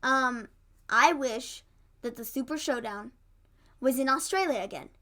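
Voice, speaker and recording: A woman with a high, bright, forceful voice co-hosts a casual wrestling recap. She is chatty, laughs easily and often acts out little quotes as she talks. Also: measured pace. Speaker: podcast co-host.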